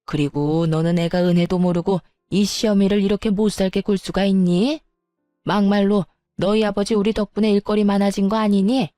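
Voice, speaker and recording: A stubborn, self-righteous mother-in-law scolds and defends herself, as a woman voices her in a told story. The tone is mellow and warm, and the delivery is dry and close. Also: mid-range voice, level tone, moderate pace, no room sound, faint music behind, close to an everyday voice. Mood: defiant, scolding.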